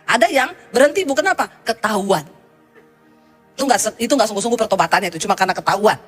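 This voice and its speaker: A woman's voice: medium pitch, animated, quick pace, fairly bright tone, husky, soft background music. A woman pastor preaching a sermon, animatedly retelling congregants' testimonies.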